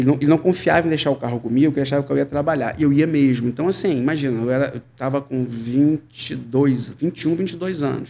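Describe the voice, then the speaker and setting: Hardly pausing, a man talks at a fairly quick pace with a fairly high pitch and fairly even intonation. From Rio de Janeiro, Brazil. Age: 50s. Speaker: cultural NGO founder and audiovisual producer. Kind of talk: casual interview. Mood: calm, reflective storytelling. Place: studio. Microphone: studio mic.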